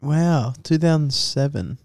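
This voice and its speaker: A man's voice: fairly high pitch, animated, a little slow, darkish tone. A young man co-hosting a casual podcast on a living room couch, holding a mic, talking loosely in slang and trailing off mid-sentence. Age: young adult. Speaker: podcast co-host. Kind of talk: casual chat. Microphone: handheld mic.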